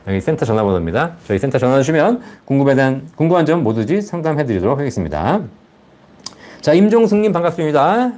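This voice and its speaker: Man, live-stream advice host, explanatory, rhetorical questions, quick pace, very varied intonation. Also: fairly high pitch, a little mellow. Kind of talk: live call-in style financial advice, answering viewer comments.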